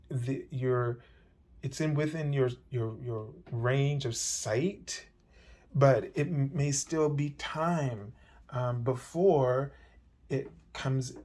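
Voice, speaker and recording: A man doing a weekly tarot reading, speaking gently and meanderingly with many fillers, his voice slightly hoarse. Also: medium pitch. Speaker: tarot reader.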